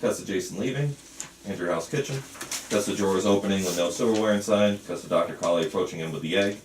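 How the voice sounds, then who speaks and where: Fast, low-voiced man reading directions. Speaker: reader of stage directions. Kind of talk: reading screenplay directions aloud at a table read. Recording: roomy, distant mic, faint room noise.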